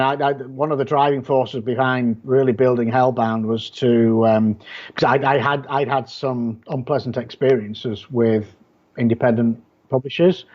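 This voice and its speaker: A man's voice: medium pitch, lo-fi sound. A man with a Yorkshire accent chatting casually as an interview guest, blunt and rambling, often restarting his sentences. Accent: Yorkshire English. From Yorkshire, England. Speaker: guest, horror author and publisher.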